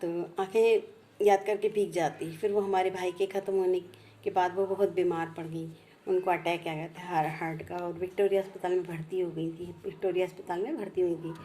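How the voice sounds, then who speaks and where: Woman vlogger, mellow and a little low, slow heartfelt memories with repeated phrases. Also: level tone, slight background noise. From India. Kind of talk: personal reminiscence.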